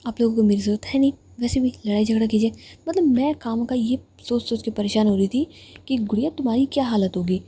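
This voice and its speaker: A woman's voice: on the high side, quick pace, dark tone, husky. A woman voicing a caring older sister who soothes and scolds two quarrelling young women. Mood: reproachful.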